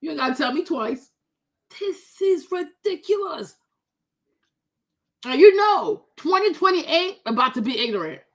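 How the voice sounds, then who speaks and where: A woman doing casual reaction commentary on a video, exclaiming loudly and laughing often. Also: high-pitched, sing-song, unhurried, pauses often.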